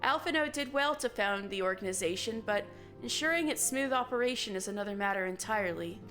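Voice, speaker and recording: A woman reading the part of a calm, formal woman leader, in a measured, formal manner. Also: medium pitch, soft background music, natural voice. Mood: grave counsel.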